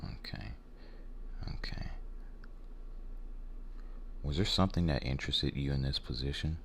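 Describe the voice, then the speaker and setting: A soft-spoken American man playing a rude, jaded warehouse hiring manager in an ASMR role-play, blunt, halting and apathetic. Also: a bass voice, gravelly, heavily acted. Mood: dismissive, bored. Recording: faint background noise.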